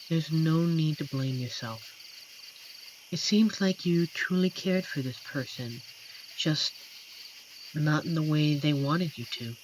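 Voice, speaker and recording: A performer voicing an amiable, shy werewolf forest protector in a roleplay audio drama, speaking gently and hesitantly with earnest pauses. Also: mid-range voice, close to an everyday voice. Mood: comforting. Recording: noisy track with night cricket ambience. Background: crickets and night forest insect ambience.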